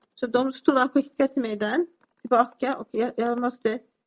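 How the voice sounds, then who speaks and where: A woman's high voice with a Turkish accent, in a dry, close sound with no echo. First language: Turkish (speaking Swedish). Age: 40s. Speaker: defendant in criminal trial. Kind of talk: court testimony under questioning. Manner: halting, hesitant.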